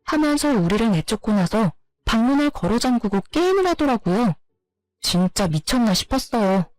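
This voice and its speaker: A woman narrating her own story in the first person, with plain, steady storytelling and a complaining tone. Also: on the high side, normal speed, dry recording.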